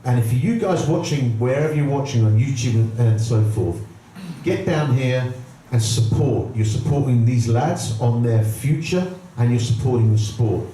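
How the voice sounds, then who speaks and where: A man's voice: medium pitch, lively intonation, moderate pace, mellow, slight background noise. A man hosting a boxing press conference, chatty and promotional, putting questions to the fighters. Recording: echoey room, distant mic.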